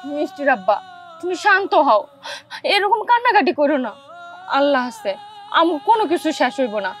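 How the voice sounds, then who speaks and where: A woman's voice: sits high, sing-song, a little fast, fairly bright tone. A woman playing a devout, consoling village wife. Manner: pleading, consoling. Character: devout caring village wife, middle-aged. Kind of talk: television drama acting.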